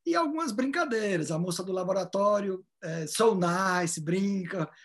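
A man's voice: high-pitched, lively intonation, moderate pace. A Brazilian man with a Brazilian Portuguese accent, a guest talking casually and explaining with examples. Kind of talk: casual conversation.

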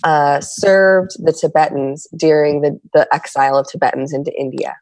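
A middle-aged woman from San Diego, talking as a podcast guest in a low, steady voice. She speaks candidly and reflectively, often pausing and restarting as she searches for her words. The recording is close and dry, with no room sound. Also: no room sound, low-quality recording. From San Diego, United States. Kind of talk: reflective conversational interview.

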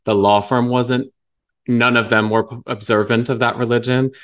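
A man's voice: medium pitch, flat delivery, normal speed. A man hosting a legal podcast, talking in a thoughtful, hesitant way that trails off and restarts. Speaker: podcast host. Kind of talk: casual professional chat.

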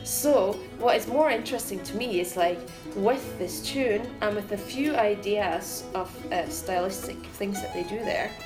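A young woman from Sweden who grew up in Norway, a folk musician, calmly explaining her ideas in an interview. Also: medium pitch, unhurried, hardly any pauses, roomy sound, music in the background. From Sweden, raised in Norway. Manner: thoughtful, explaining. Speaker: folk musician, mandola player. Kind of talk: casual interview talk.

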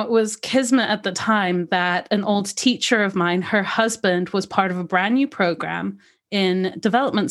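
A woman who grew up in Africa, with an accent that mixes American, British and Scottish traces, telling her life story lively in an interview and laughing often. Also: mid-range voice. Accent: mixed, with American, British and Scottish traces. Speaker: podcast guest. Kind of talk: conversational interview.

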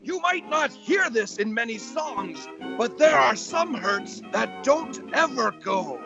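A man's voice: very high voice, expressive, slow, gravelly, full character voice. A man playing a world-weary, fatalistic old uncle in a horror story reading, over dull lo-fi sound. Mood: brooding. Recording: dull lo-fi sound with music behind.

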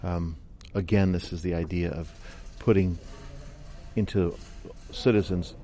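A man hosting an interview podcast, asking questions in a measured, conversational way. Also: low voice, steady tone, mellow. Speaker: radio podcast host. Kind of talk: interviewing a guest.

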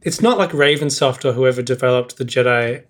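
Young guy on a podcast, dry self-mocking humor, keeps chuckling, average pitch. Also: fairly quick. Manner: wry, self-mocking, laughs often. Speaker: podcast co-host. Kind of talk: casual chat.

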